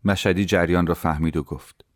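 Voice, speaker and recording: Deep-voiced man narrating calmly. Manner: calm, measured storytelling. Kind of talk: scripted first-person narration.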